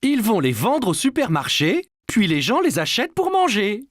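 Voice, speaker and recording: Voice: mid-range voice, wildly swooping pitch, normal speed, no echo, studio quality. An actor voicing a patient, kindly father in a French children's cartoon, explaining things simply and reassuringly.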